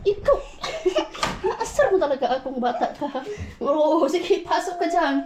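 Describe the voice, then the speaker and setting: Filipina mom vlogger, high voice, playful and coaxing, code-switching, home bathroom with water noise. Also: expressive, measured pace, roomy sound. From Philippines. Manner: playful, coaxing, laughs often, mixes Tagalog with English. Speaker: mother vlogger. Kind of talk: casual home vlog talk with a toddler.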